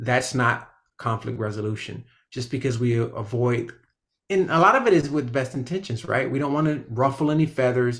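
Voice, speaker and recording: On a very clean recording with a silent background, a man speaks in an ordinary speaking voice. His medium pitch varies in an ordinary way at a moderate pace. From Florida, US (Immokalee). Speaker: organizational psychologist and executive coach. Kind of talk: interview.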